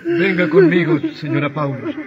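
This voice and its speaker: Deferential assistant, lively. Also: male voice, very high voice, normal speed, vocal fry, lo-fi sound, very noisy, exaggerated voice. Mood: gentle. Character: obedient male assistant, gentle.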